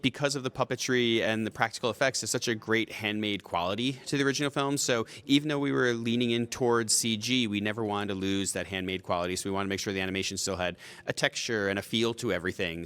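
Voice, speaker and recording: A man who creates an animated series, talking conversationally in an interview. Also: on the low side, fast, hardly any pauses, clear, resonant tone.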